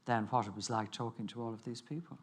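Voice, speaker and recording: Animated man moderating a panel. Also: medium pitch, quick pace, slightly rough.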